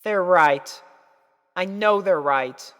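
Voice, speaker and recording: A woman's voice: lowish voice, takes it slowly, a bit bright, voice pushed up. A woman voicing an anxious, lovesick young unicorn filly in a story reading, plaintive and easily flustered. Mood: resigned. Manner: plaintive, flustered, hesitant with stammers.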